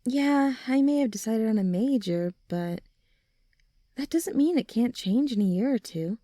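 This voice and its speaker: Woman playing a mellow, caring teenage best friend. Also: fairly high pitch, expressive, unhurried, no echo, clean studio sound. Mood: reassuring. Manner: gentle, reassuring, informal, often sighing or softly laughing. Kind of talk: ASMR roleplay audio drama.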